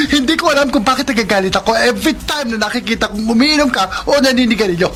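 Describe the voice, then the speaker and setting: Male actor, young gay man, Filipino accent, lovesick and confused, emotional pleading, radio romance drama, music behind. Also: extremely high pitch. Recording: background music under dialogue.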